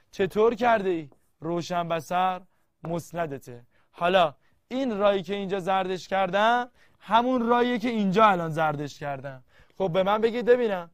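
Lively high-voiced male teacher, dry sound. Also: dry recording. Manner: lively, quizzing students and answering himself; reads verses slowly, word by word. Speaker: literature teacher. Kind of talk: classroom grammar lesson.

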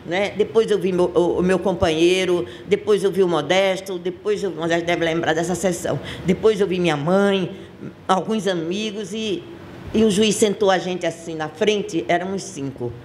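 A woman's voice: lowish voice, a little mellow, a little hiss or hum. Impassioned older Brazilian woman testifying. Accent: Brazilian Portuguese. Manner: impassioned, halting, with many restarts. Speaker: witness testifying at a public hearing. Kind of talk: personal testimony. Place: public auditorium.

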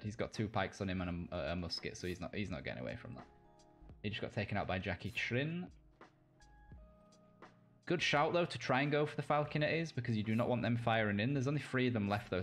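A young British man casting a live video game match, reacting quickly and cracking jokes between calls. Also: lowish voice. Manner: quick reactive play-by-play, jokey asides. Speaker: caster. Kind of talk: live esports play-by-play commentary.

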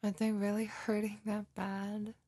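A woman's voice: medium pitch, monotone, measured pace, mellow, dry recording. A woman playing a doting, lovey girlfriend in an intimate, cooing roleplay ASMR, tenderly comforting and gushing over her partner up close. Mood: tender, soothing. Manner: cooing, gushing, breathy, often giggling. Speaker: roleplay audio performer.

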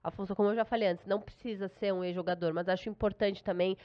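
A woman hosting a podcast, chatting in a quick and expressive way. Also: medium pitch. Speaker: podcast host. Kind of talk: casual chat. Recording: slightly dull sound.

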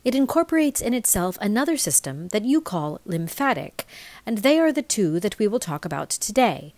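A woman reads scripted narration as a voice-over. Her mid-pitched voice moves up and down in a lively way while she enunciates in a measured manner. The sound is dry, with very little room in it. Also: no room sound. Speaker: voice-over reader. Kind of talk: scripted narration of a spiritual explainer, read aloud.

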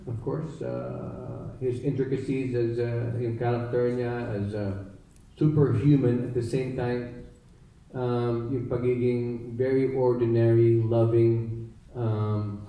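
A Filipino actor at a press conference, answering thoughtfully in mixed English and Tagalog with many fillers. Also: male voice, medium pitch, dark tone. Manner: reflective, many fillers and restarts. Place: large theater stage. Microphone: handheld mic heard through hall speakers. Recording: echoey hall from far off.

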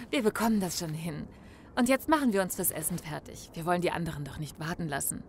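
An actress playing a woman in love who speaks softly and jokes with her partner. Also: on the low side, a little fast, a little hiss or hum, natural voice. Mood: affectionate. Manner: soft, affectionate, joking. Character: happy woman in love, planning a wedding.

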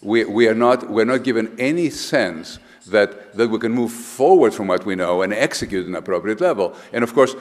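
An older man from Greece giving an emphatic architecture lecture at a lectern, often restarting and repeating words. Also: fairly low pitch. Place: large lecture hall, standing at a lectern. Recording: lecture hall with long reverb.

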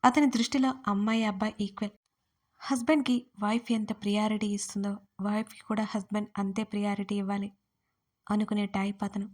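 A woman narrating a romance story she wrote, reading in a steady storytelling manner. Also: medium pitch, fairly quick. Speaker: narrator and writer.

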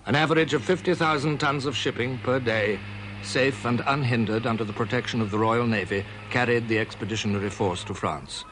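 A male documentary narrator reads in a measured, formal manner. His voice sits at a middle pitch. The old 1960s broadcast recording carries a clear hiss behind him. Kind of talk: scripted narration.

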